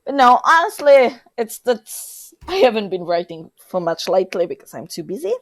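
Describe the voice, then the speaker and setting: A woman's voice: on the high side, big pitch swings, normal speed. A woman in a casual chat as a podcast co-host, speaking in a hesitant, self-effacing way.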